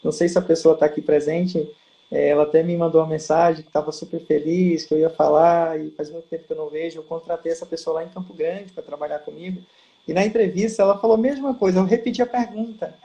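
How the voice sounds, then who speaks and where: Brazilian man with a gravelly, high voice. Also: quick pace. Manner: storytelling, animated quoting. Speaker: guest, pharma district manager. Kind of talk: casual live interview. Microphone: video call.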